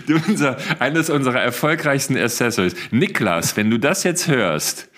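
A man's voice: mid-range voice, expressive, moderate pace, a bit bright. A man co-hosting a casual podcast, telling stories in a playful way and posing rhetorical questions to his co-hosts. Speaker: podcast co-host.

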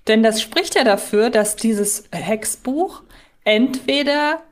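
A woman's voice: fairly high pitch, expressive, slow. A woman co-hosting a podcast in casual discussion, inquisitive and thinking aloud. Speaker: podcast co-host. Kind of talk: casual discussion between fans.

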